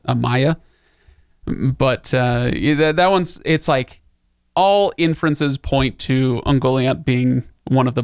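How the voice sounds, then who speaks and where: Dude hosting a book podcast, gravelly fry in his voice, chatty, dry close mic. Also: mid-range voice, no room sound. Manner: chatty, laughing, animated. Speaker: podcast host. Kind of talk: casual book discussion.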